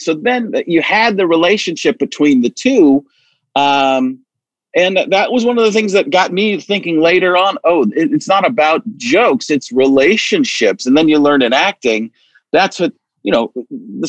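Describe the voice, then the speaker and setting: A man hosting a podcast, telling stories in a rambling, animated way with many restarts. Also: fairly high pitch, dry recording, low-quality recording. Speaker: podcast host. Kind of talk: casual chat.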